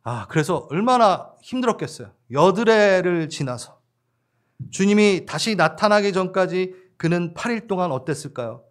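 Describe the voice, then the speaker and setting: Animated Korean-speaking pastor preaching. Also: male voice, high-pitched, normal speed. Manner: lively, laughs with the congregation, acts out disciples' voices. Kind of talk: sermon. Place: church.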